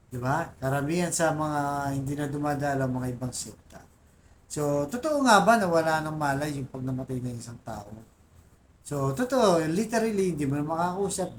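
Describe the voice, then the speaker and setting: A Catholic faith vlogger with a Filipino accent teaches his viewers about faith informally and earnestly, reading scripture aloud and often saying "di ba?" ("right?") and "guys." His voice is a little high. There's slight background noise.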